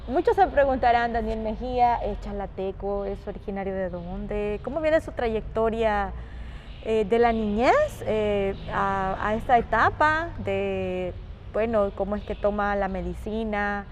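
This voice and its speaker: A woman's voice: mid-range voice, a little slow, a little hiss or hum. A woman hosting an interview, chatty and affirming toward her guest. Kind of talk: interview conversation.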